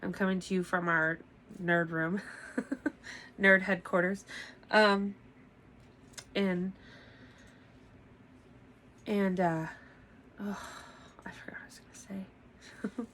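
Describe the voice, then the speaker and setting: A woman's voice: mid-range voice, fairly even intonation, slow pace, pauses often, a bit bright, a little hiss or hum. A congested, slightly nasal woman, chatting casually to camera from her home craft room, laughing often and filling with ums. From United States. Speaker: podcast host.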